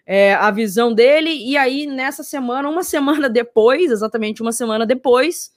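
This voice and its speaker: A woman argues about sports, emphatic and opinionated. She repeats her points for force, in a high voice. The sound is dry and close, with no room around it. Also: normal speed, no room sound. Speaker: sports commentator.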